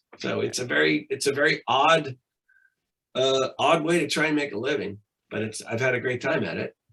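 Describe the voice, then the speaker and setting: The voice has vocal fry and ordinary pitch variation. It moves at a fairly quick pace. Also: man, medium pitch for a man. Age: 50s. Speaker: voice actor and improv teacher. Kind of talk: casual chat. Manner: halting.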